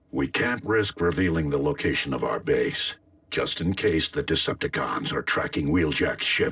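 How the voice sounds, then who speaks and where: A man uses a cartoonish character voice. He keeps a calm tone at a moderate pace. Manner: calm, commanding.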